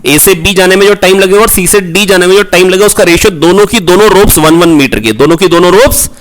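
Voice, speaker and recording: A man teaching a physics revision class online, coaxing his students, repeating key points and firing quick questions at them. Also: high voice. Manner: asks rhetorical questions, prompts answers. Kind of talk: online exam-prep lecture.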